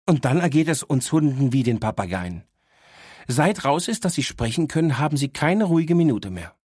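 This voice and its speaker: A man's voice: fairly high pitch, big pitch swings, moderate pace, a little mellow, husky, dry recording, studio quality, voice pushed up. A man voicing an opinionated young female talking dog, cheeky and sarcastic, in an audiobook. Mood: smug. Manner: cheeky, know-it-all, sarcastic. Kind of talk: audiobook character voice.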